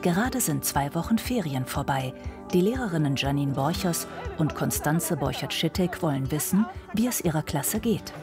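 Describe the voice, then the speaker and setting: Calm, low-pitched woman narrator. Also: normal speed, music in the background. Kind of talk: scripted documentary narration.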